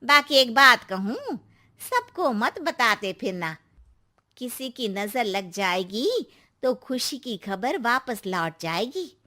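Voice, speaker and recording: A woman's voice: a little high, very animated, slow pace, bright, forceful tone, exaggerated voice. A woman voicing a superstitious older neighbor aunty who gives knowing warnings in a storybook cartoon. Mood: cautioning.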